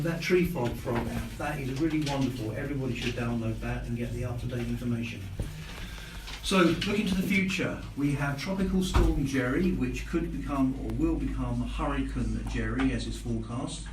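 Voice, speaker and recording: A man's voice: medium pitch, moderate pace. A man speaking semi-formally as a disaster coordinator giving an emergency weather update. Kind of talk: semi-formal spoken briefing. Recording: echoey room, distant mic, clear noise.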